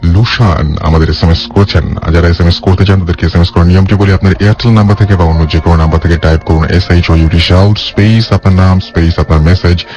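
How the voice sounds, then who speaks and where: A man's voice: low-pitched, fairly even intonation, fast talker, darkish tone. A man hosting a late-night radio call-in show, reading out listener messages and introducing callers. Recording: radio broadcast with faint music.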